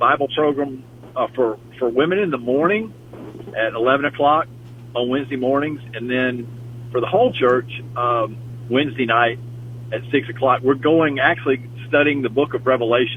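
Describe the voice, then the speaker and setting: A man's voice with long, frequent pauses, fairly even intonation and noticeable background noise. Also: medium pitch for a man, moderate pace. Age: 60s. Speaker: pastor. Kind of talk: casual chat.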